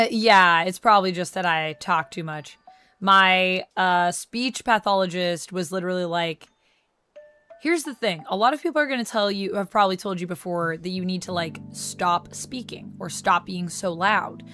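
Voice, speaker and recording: A woman's voice: lowish voice, normal speed, fairly bright tone, no room sound, soft background music. A woman chatting casually on her live stream, reading chat messages aloud and replying to viewers. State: recovering from vocal strain.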